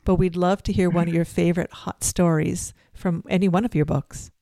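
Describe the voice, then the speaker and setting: A woman co-hosting a casual interview podcast, frank and enthusiastic, with lots of quick affirmations. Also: fairly low pitch, fairly even intonation, warm tone, no echo. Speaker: podcast co-host.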